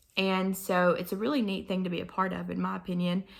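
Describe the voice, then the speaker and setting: Speaking at a fairly quick pace, a woman with a slight Southern US accent uses a medium pitch in a very clean recording with a silent background. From US South, small-town Alabama. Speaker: social work student. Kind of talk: video blog.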